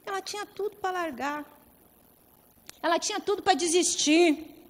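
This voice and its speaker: A woman pastor preaching a sermon with impassioned, dramatic swings in loudness. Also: very high-pitched, normal speed. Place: large convention center hall. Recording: reverberant convention hall.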